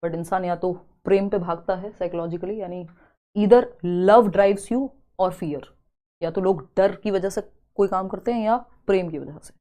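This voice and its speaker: A young woman teaching a live online exam-prep class, chatty and teasing, slowly spelling out word examples. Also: mid-range voice, dark tone. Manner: chatty, teasing students between explanations.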